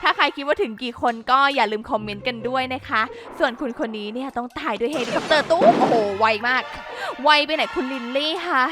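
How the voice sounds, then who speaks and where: A woman's voice: high voice, fast, few pauses. A woman giving playful game commentary, theatrically scolding characters and talking to her viewers. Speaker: gaming YouTuber. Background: background music.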